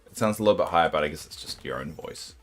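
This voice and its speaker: A young adult man with a New Zealand accent and a deep, soothing voice, chatting casually and self-deprecatingly with his viewers while playing a game. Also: expressive, very fast, faint music behind. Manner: rambling, self-deprecating, sympathetic. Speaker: game streamer.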